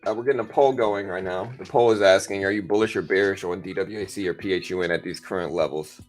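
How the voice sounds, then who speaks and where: A livestream host and stock trader with a deep, raspy voice talks fast, giving casual live market commentary and chatting with viewers. He's laid-back and slangy, calling people "bro," while music plays behind him.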